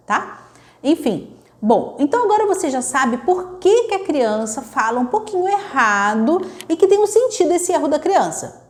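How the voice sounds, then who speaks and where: A fairly high-voiced woman from Brazil talks parents through how children learn their first words, in the patient manner of a speech therapist. She keeps checking in with short tag questions and slips into playful parent voices for examples. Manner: explanatory, with frequent tag questions. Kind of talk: educational talk to parents.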